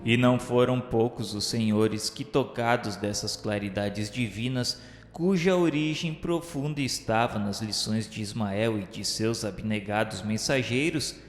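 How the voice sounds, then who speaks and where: A man's voice: on the low side, a little slow. A man reading formal, solemn scripted narration for a devotional radio drama. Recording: echoey reverb, faint music behind. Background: soft music.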